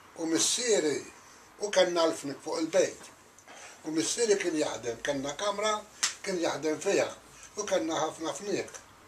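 Light background noise sits behind a man talking at a high pitch. His pitch variation is ordinary. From Malta, Valletta; Malta. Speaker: interviewee recalling childhood. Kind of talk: storytelling. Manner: halting. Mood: calm, reflective. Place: home room.

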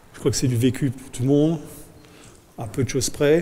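The man's voice sits at a fairly high pitch. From Germany. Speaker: agile coach and trainer; agile coach, trainer. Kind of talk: conference talk. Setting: stage with audience. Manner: animated, humorous. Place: hall.

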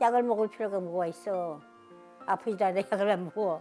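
Background music can be heard. Over it, a woman talks. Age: 80s+. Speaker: member interviewee. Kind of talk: interview answer.

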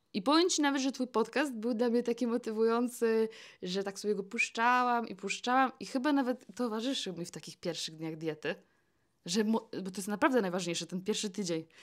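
In a very clean recording with a silent background, the speech moves at a fairly quick pace with lively intonation. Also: woman, fairly high pitch for a woman. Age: 20s. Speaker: YouTuber. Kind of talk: interview.

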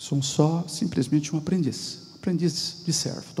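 Faint music sits in the background. A man talks over it with ordinary pitch variation. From Brazil, São Paulo city. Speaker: lay preacher, finance professional; lay preacher. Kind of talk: sermon. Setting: church, livestreamed. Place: church. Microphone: handheld.

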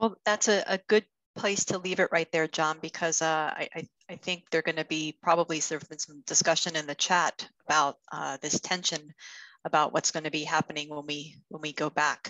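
A woman talks at a moderate pace with a very deep, low pitch and fairly even intonation. The sound is dry with no echo over a quiet background. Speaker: academic association director and panel moderator; panel moderator. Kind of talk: moderating an online panel discussion. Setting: video call. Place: home room. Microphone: video call.

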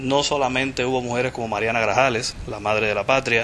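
Fairly quick speech with a fairly even intonation comes through over noticeable background noise. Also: man. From Cuba. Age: young. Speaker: writer and teacher. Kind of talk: radio interview. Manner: hesitant, many fillers.

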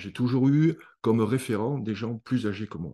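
A man's medium-pitched, dark, mellow voice at a moderate pace, with ordinary pitch variation and a quiet background. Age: 50s. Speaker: author. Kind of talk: interview. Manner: halting, many fillers.

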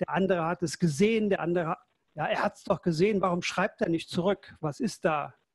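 Fairly quick and high-pitched, a man's voice keeps fairly even intonation in a dry sound with no echo and a quiet background. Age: 60s. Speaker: sociologist, church digital affairs advisor; speaker. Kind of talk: webinar conversation. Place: office. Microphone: headset.

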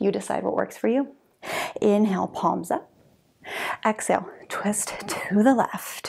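At a fairly slow pace, a woman talks over a quiet background. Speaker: yoga instructor. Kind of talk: guided yoga class with calm step-by-step cues. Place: home room.

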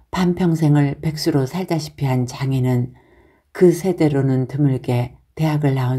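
On a very clean recording with a silent background, a woman with a very deep, low pitch and a dark, mellow, somewhat breathy tone speaks at a very slow pace with ordinary pitch variation. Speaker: audiobook narrator. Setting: home recording with quiet background music. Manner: soothing, slow, calm, gentle and hushed, ASMR-like.

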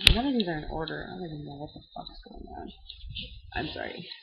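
A woman at a fairly quick pace, with noticeable background noise. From Minnesota. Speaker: video blogger. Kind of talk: casual vlog chat. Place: home room. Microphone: webcam.

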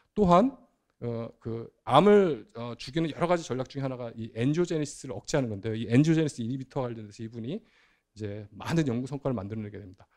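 Against a quiet background, a man talks at a very fast pace with lively intonation and big swings in loudness. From Gangwon Province, Korea (Yangyang); Gangwon Province, Korea. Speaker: engineering professor; guest professor lecturer. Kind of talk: lecture. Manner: frequent fillers, hesitant. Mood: warm, reminiscing. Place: hall. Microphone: handheld.

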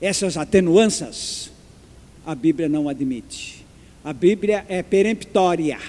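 A high-pitched man's voice with lively intonation at a fairly slow pace. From Brazil, interior of São Paulo state. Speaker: Baptist pastor. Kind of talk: sermon.

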